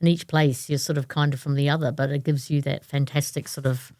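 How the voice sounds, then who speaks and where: A woman hosting an interview podcast, asking questions in a measured way with some fillers. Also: sits low, flat delivery, darkish tone, no echo, studio quality. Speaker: podcast host.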